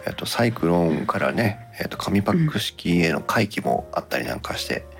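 Low, creaky-voiced man, very animated. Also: fairly quick, faint music behind. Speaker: podcast host. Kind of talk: casual podcast chat about home appliances.

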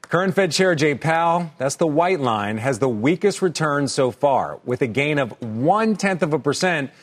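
A man anchoring a financial news broadcast, presenting to viewers and putting questions to guests. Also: medium pitch.

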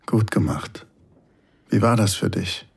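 Very deep, breathy lover murmuring in your ear. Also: male voice, unhurried, darkish tone, heavily acted. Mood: calm, reassuring. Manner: breathy, close-up murmur right in the ear, often near a whisper. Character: commanding, reassuring male lover, tender and desiring. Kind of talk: intimate erotic audio drama acting.

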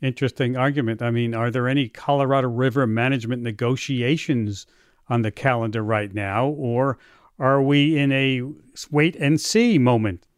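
A man hosting a public radio science talk show, speaking in an animated, lively way. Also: medium pitch, moderate pace, clean tone, no room sound, clean studio sound.

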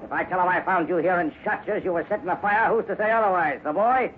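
An actor playing a cold, scheming villainous colonel in a 1950s radio drama, speaking with menace. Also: male voice, sits high, fast talker, close to an everyday voice. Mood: cruel. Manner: menacing, sneering, shouts in a struggle. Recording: tinny old radio broadcast with hiss.

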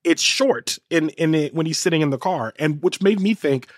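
A man on a podcast panel, talking through a film in a quick, conversational way. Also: fairly high pitch, no room sound, clean studio sound. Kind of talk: casual roundtable discussion.

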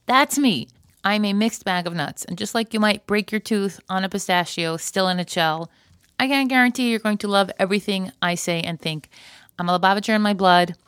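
A woman's voice: medium pitch, fairly quick, a bit bright, smooth, no room sound, clean studio sound. A woman hosting a solo podcast in a chatty, conversational way, with wry, joking asides. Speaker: podcast host.

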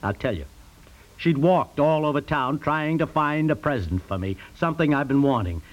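A remorseful, quick-tempered husband, played by a man in a vintage radio drama. His voice sits a little high, flaring into indignant outbursts. The sound is old radio broadcast quality. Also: animated, dull audio, lightly acted. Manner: blustering, self-reproaching, rising to indignant shouts. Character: anxious husband waiting at hospital, remorseful. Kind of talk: old-time radio acting.

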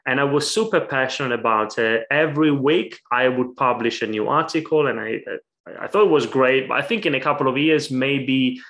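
A man's voice: mid-range voice, normal speed, fairly bright tone. A man in his thirties with an Italian accent, a guest answering interview questions with eager storytelling. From Italy. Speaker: guest, presentation coach.

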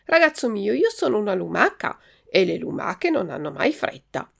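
A storybook snail who never rushes, speaking calmly and evenly, as a woman puts her on. The voice is set a little higher than ordinary speech and carries a gravelly rasp. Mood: placid. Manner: unhurried, calm. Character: slow, placid old female snail.

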